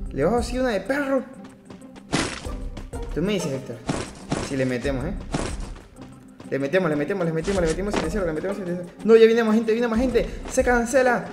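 A man's voice: high-pitched, lively intonation, quick pace, long pauses. A young man from Venezuela with a Venezuelan Spanish accent, talking through his gameplay in casual chat, hyping his viewers and tagging "eh" onto his lines. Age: young adult. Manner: chatty, hypes viewers, constant filler "eh". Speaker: gaming streamer. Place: small home room. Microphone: headset boom mic. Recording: game music behind the voice. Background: game music.

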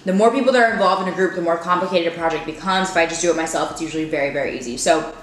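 Brief: twenties female vlogger, low-ish voice, loose upbeat chatter, roomy home sound. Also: rapid-fire, slight background noise. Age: 20s. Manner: chatty, filler-heavy, upbeat. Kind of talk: casual vlog chat. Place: apartment room at home. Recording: echoey room.

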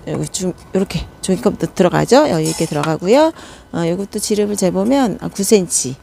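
Chatty woman with a gravelly low voice. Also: a little fast, mellow, a little hiss or hum. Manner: chatty, counts numbers and prices aloud. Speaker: succulent pot seller. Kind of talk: casual product showcase.

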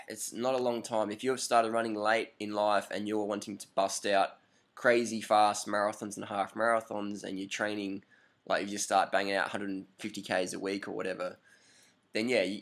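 A man in his thirties answering a viewer's question in a casual, rambling webcam vlog indoors, repeating his points for emphasis. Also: on the low side. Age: 30s. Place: indoor room with curtains, at night. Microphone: laptop webcam up close.

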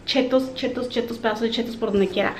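A woman's voice: a little high, brisk. Chatty woman vlogger in an echoey room. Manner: animated, chatty, talks straight to viewers. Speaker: mom vlogger. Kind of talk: casual storytelling vlog. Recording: echoey room with faint noise.

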